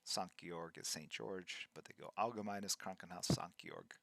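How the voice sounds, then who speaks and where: A man in his fifties hosting a livestream, chatting casually while drawing and reading out viewer names in a halting, thinking-aloud way. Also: low voice, big pitch swings, creaky, a bit bright, no room sound. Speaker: livestream host.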